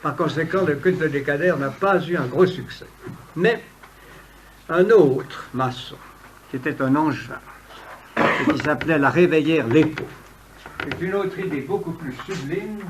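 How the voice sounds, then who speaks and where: A man giving a history lecture in an oratorical, emphatic way, with pointed pauses and ironic asides. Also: a little high. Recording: noisy old lecture recording with clicks.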